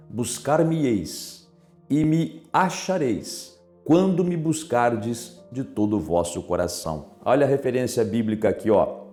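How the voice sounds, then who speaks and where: A man's voice: mid-range voice, gravelly. A man preaching a sermon as a pastor, speaking straight to his listeners and asking them questions. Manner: asks listeners direct questions. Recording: echoey room with soft music. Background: soft music.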